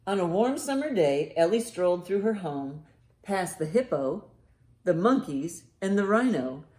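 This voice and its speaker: A lowish, darkish, very animated woman's voice proceeds at a measured pace. Hosting storytime, she reads aloud and tests young kids with riddles, giving encouraging, exaggerated reactions to what they say, all in an echoey room.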